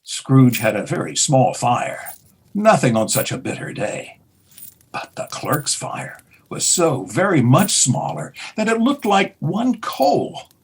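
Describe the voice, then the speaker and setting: Husky, animated male storyteller. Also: mid-range voice, slow pace. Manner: theatrical, with hushed breathy drops. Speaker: narrator. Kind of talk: dramatic storytelling narration.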